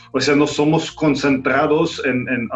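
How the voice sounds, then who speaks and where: Noticeable background noise sits behind a man's voice. He talks at a moderate pace with a fairly high pitch. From Vienna, Austria. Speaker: travel company owner. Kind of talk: interview. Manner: halting.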